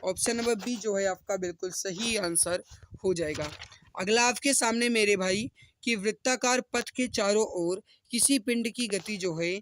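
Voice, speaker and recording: A man's voice: high-pitched, normal speed, fairly bright tone, a little hiss or hum. A man teaching as an exam coach, walking students through questions and answers in an instructional way, often addressing them directly.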